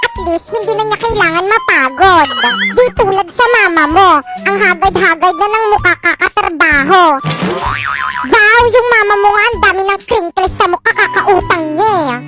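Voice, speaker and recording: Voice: very high voice, normal speed. A performer voicing bratty children who brag and insult each other in a comedy skit. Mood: taunting. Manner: taunting, boastful. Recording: loud music behind.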